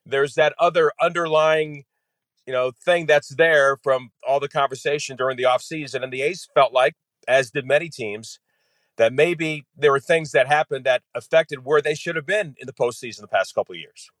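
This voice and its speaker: A man's voice: fairly high pitch, fairly bright tone, no room sound. A man, a radio play-by-play announcer appearing as a guest, walking through a game in conversational detail with frequent "you know"s.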